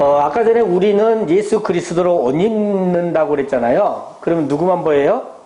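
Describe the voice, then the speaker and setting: With very wide pitch swings, a man in a high voice talks at a moderate pace over noticeable background noise. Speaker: Bible teacher. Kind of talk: Bible study lesson.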